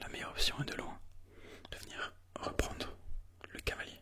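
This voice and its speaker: Someone is whispering at a fairly quick pace over noticeable background noise. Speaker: ASMR creator. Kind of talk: ASMR chess commentary. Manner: whispered.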